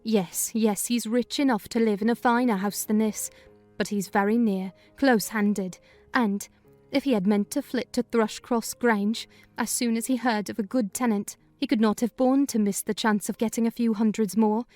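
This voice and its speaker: A woman's voice: fairly high pitch, fairly even intonation, moderate pace, darkish tone, soft background music, lightly acted. A woman reading a kindly, talkative older housekeeper in a dramatized audiobook. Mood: chatty. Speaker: narrator voicing housekeeper.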